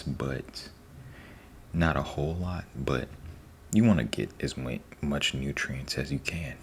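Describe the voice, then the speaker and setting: Casting: male ASMR host, extremely low voice, soft and half-whispered, slow rambling delivery. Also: slight background noise. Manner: unhurried, rambling, repeats himself.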